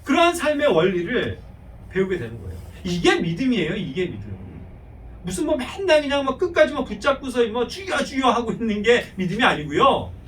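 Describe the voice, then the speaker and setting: Man preaching, high voice that jumps around a lot, sounds a bit far from the mic, faint hum behind. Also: fairly quick. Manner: animated, rhetorical questions, acts out quoted prayers. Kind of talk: sermon.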